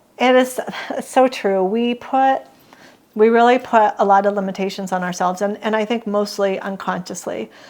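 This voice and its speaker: In an American accent, a woman talks at a moderate pace with a medium pitch. She has a normal speaking voice and fairly even intonation. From New England (Cape Cod, Massachusetts). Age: 60s. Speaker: change management consultant. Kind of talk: podcast interview.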